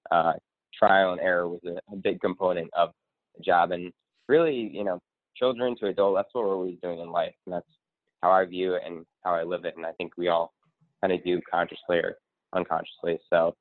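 A man from Connecticut, a guest speaker and coach, talking in a relaxed, rambling way with many ums. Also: low-pitched, a little fast, no echo. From Connecticut, USA. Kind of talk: casual interview. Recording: tinny phone-line sound.

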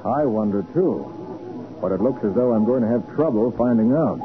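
An actor playing a brisk, persistent male private detective in 1940s radio style, with a questioning manner. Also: medium pitch, expressive, over loud music, close to an everyday voice. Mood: inquiring. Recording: narrow, noisy old 1940s radio recording.

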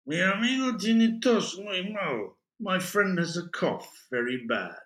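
A man's voice: high-pitched, lively intonation, slow, a bit bright, reverberant, pitched above the performer's own voice, full character voice. A man voicing a wry young American man with an American accent, dry and joking. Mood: placating.

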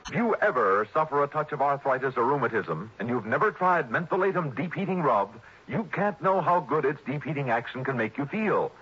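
A male radio announcer reading an advert and credits in smooth 1960s announcer style. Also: medium pitch, fairly quick. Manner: smooth, animated announcer delivery. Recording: dull old radio recording with music.

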